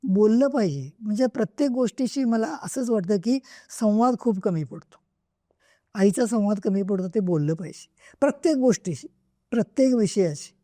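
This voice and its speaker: A woman's voice: medium pitch, lively intonation, moderate pace, dark tone, no echo, studio quality. A middle-aged woman author answering interview questions, earnest and emphatic, often repeating her points for stress. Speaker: guest author. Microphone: podcast microphone.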